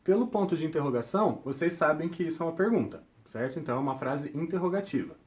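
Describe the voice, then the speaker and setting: A young man teaching a recorded grammar lesson, ending nearly every point with a quick check-in question to his students. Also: on the high side, lively intonation, a little mellow. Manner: ends points with check-in tags like "tudo bem?".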